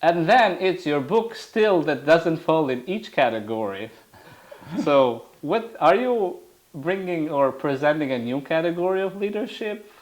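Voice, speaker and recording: A man with an Albanian accent, a native Albanian speaker, hosting an interview and asking questions in a halting way, often searching for words. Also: fairly high pitch, expressive. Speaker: interviewer, host.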